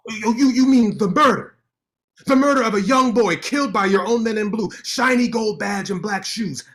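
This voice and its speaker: An actor playing a proud, sharp-tongued Black lawyer who speaks in a sarcastic, cutting, confrontational way during a staged reading. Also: male voice, sits high, normal speed.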